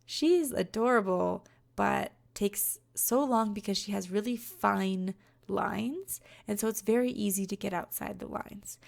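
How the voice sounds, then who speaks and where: A young woman with a rough voice from being sick, chatting casually over her crafting video in a rambling way. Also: medium pitch. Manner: chatty, rambling, many fillers. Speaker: card-making vlogger.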